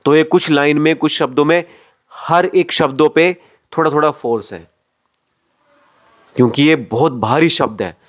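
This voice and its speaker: A man's voice: fairly high pitch, moderate pace, long pauses, muffled recording. A man coaching acting, explaining phrase by phrase and repeating words for emphasis. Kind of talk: explanatory lesson on voice modulation.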